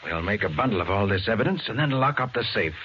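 Deep-voiced cool radio detective played by a man. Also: animated, fast talker, close to an everyday voice. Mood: confident, brisk. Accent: American. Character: cool, resourceful male private detective. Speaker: lead actor in a radio crime drama. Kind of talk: 1940s radio acting. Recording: muffled, noisy 1940s radio recording.

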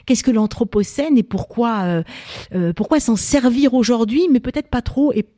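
A woman's voice: fairly high pitch, moderate pace, dark tone. A woman hosting a panel debate, speaking with frequent fillers and restarts. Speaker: debate host. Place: library event venue.

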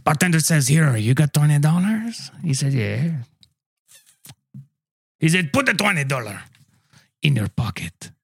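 A man's voice: fairly high pitch, very animated, gravelly, slightly rough, no echo, studio quality, heavily acted. A man playing a pompous French train waiter with a put-on French accent, drawling insults in an improv comedy scene. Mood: storytelling. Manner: haughty, insulting, slow drawl.

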